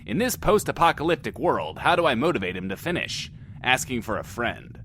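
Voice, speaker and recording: A man's voice: medium pitch, sing-song, a little fast, a bit bright, slight background noise. A man playing a brash, wry, theatrical post-apocalyptic radio show host in an audio drama. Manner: theatrical, sardonic.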